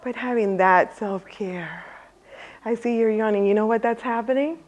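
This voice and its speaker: A woman leads a workshop in front of a live audience. She is lively and laughs easily, and she keeps turning questions back to the room. Her motivational talk has a warm, inviting flow. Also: a little high, normal speed, muffled recording. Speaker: speaker leading a workshop.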